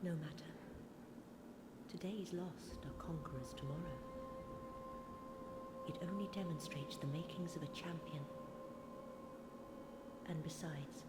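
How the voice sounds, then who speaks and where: A gentle fantasy game sorceress, speaking slowly and formally in a fairly low register. Her courteous, devoted words ring through a long-reverberating hall with loud ambient noise. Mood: gentle, reassuring. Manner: formal, measured, archaic phrasing. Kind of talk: fantasy video game voice acting.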